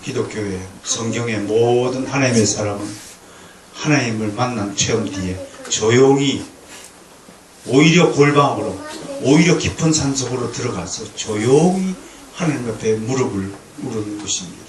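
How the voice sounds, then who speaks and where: A male pastor preaching a lively lecture-sermon to a congregation, with humor and call-and-response. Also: medium pitch, moderate pace, a crowd in the background. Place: church sanctuary. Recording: echoey hall, distant mic, faint noise.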